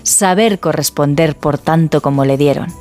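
Low-voiced woman, reflective radio piece, measured and heartfelt, soft music under. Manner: heartfelt, measured list-like delivery. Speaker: radio contributor. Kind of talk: read reflective commentary.

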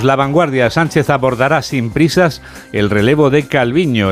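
A male radio news host, reading the press review in easy, bantering chat. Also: medium pitch. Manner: relaxed, bantering.

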